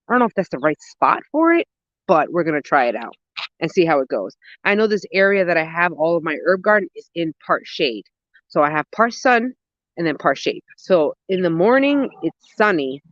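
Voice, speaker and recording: A woman's voice: low-pitched, no room sound, highs cut off. A woman of about forty chatting casually and expressively on a gardening livestream, slangy, thinking aloud and easily sidetracked as she answers comments. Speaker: host of a gardening and mental health livestream. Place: outdoors in a garden.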